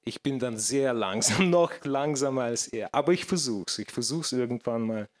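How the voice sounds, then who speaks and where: A man's voice: medium pitch, animated, moderate pace. Hesitant man with a Russian accent. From former Soviet Union. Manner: hesitant, searching for words, many restarts. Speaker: actor and panel guest. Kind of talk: panel discussion. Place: stage in a small theater, indoors. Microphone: handheld microphone.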